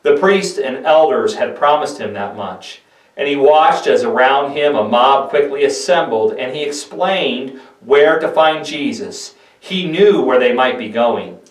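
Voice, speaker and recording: A pastor gives a scripted, dramatic narration of a Bible story, emphatic and theatrical in delivery. His medium-pitched voice has lively intonation and a measured pace, captured by a distant mic in an echoey room.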